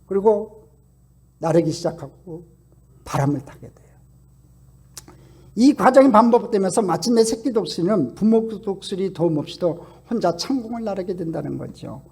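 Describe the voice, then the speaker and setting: A male pastor preaches with lively storytelling that swings between loud calls and hushed asides. His voice sits high and moves over a wide range. It has a gravelly rasp. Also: moderate pace, long pauses. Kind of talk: Sunday sermon.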